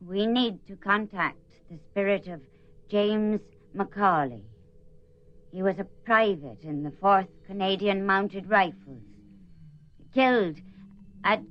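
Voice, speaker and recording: A woman playing an earnest older Christian spirit medium in a radio drama, speaking solemnly and insistently with dramatic pauses. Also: medium pitch, lightly acted. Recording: muffled radio play recording, noisy ambience.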